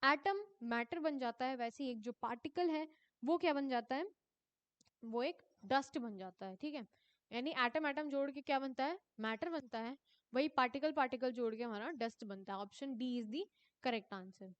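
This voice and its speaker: A young woman teacher going through an exam paper, reading each question slowly and then explaining quickly in Hindi mixed with English, calling her students children. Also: high voice, no echo, lo-fi sound. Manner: addresses students as children, ends answers with a falling tone.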